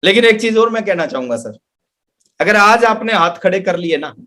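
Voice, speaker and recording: A man's voice: high voice, expressive, normal speed, bright, forceful tone. A man gives a motivational sales training talk, speaking emphatically and repeating phrases for effect. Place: online webinar.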